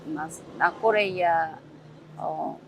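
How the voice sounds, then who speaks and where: Korean woman speaking her second language, super slow, lots of pauses and little fillers, bit of background noise. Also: sits low, poor audio. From South Korea. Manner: halting, searching for words with many "ó" fillers. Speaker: interviewee. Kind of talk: casual interview answers.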